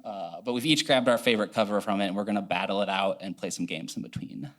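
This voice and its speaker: A man's voice: on the low side, fast, fairly bright tone. A man co-hosting a live podcast in front of an audience, casual and joking. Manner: casual, jokey. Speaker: podcast co-host. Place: live event space with audience.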